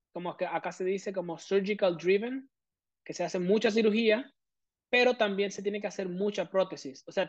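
A man's voice: sits high, no room sound, muffled recording. A man from Venezuela in his thirties with a Venezuelan accent, a guest explaining his career at length with many fillers. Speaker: guest prosthodontist. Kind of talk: casual interview.

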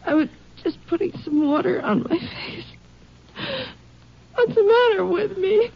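A very high, slow-spoken rancher's wife, sick and frightened for her family. She speaks in halting distress, in vintage radio drama style, on a muffled recording with faint noise. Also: animated, exaggerated voice. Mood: weak, worried. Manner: weak, halting, breathy distress. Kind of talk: 1950s radio drama acting.

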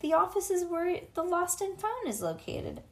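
A woman voicing a calm, firm female schoolteacher who instructs and reassures in a children's storybook. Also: very high-pitched, moderate pace, pitched above the performer's own voice, full character voice. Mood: patient.

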